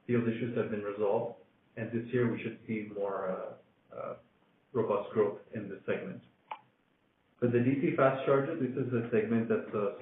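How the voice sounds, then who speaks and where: A man giving a business update as a company executive on a conference call. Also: lowish voice. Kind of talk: business presentation on an earnings call. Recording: echoey, noisy, phone-like conference line.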